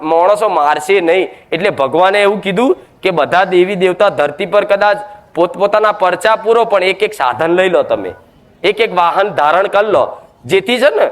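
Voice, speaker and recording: A man's voice: high-pitched, fairly bright tone. A man preaching a devotional sermon, emphatic and scolding, full of rhetorical questions.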